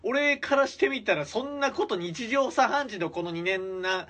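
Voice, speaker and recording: A man's voice: sits high, lively intonation, moderate pace, a bit bright, a little hiss or hum. A man co-hosting a podcast in casual chat, giving dry, teasing replies and short acknowledgments. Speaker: podcast co-host.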